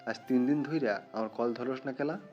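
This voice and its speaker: A man voices a violent, jealous young gangster lover in a muffled audio drama, with music running underneath. He snarls his threats, his voice held at a medium pitch. Every line sounds like a warning. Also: unhurried, close to an everyday voice. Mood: menacing. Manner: menacing, snarling threats in rough street dialect.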